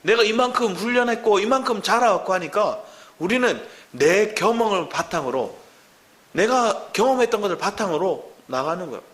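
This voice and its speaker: A male pastor giving a sermon in a church, preaching in an animated way and often asking the congregation rhetorical questions. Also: sits high, normal speed.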